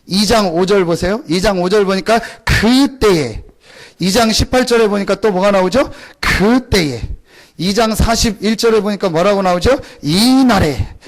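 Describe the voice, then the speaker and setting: A pastor delivers a Sunday sermon in a church sanctuary, his voice high and animated at a moderate pace. He fires questions at the congregation and answers them himself in call-and-response style, acting out short exclamations in a mock rural voice.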